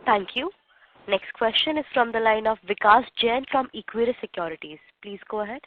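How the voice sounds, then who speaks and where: A woman's voice: fairly high pitch, fairly quick. A woman moderating an earnings conference call as operator, in scripted announcements. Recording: narrow, distant phone line.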